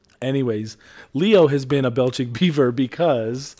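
The voice has a dark, mellow tone with ordinary pitch variation, moving at a fairly slow pace on a very clean recording with a silent background. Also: man. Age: 30s. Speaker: podcast co-host. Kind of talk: casual chat.

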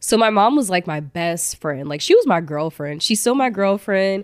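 A woman's medium-pitched voice at a moderate pace. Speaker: podcast host. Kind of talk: casual chat. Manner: direct.

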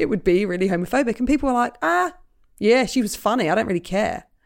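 This woman has a fairly high pitch. She speaks with a southern English accent. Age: 30s. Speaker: podcast host. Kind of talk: interview. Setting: remote call.

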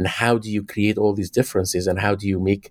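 In an Arabic accent, a man speaks at a fairly low pitch with monotone, flat intonation. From Egypt. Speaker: literature professor and author. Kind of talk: interview. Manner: halting.

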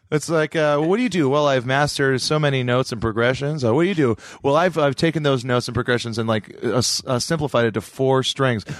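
A man talks at a very fast pace with hardly any pauses and very even loudness. His tone is animated, with a medium pitch and ordinary pitch variation. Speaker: podcast host. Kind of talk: casual banter, comedic chat. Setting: studio. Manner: animated, joking.

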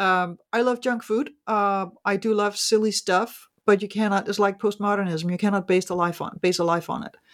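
Speaking at a moderate pace with hardly any pauses, a woman with a medium pitch and a Danish accent keeps her intonation fairly even. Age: 50s. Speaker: author and futurist. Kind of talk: interview. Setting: remote call.

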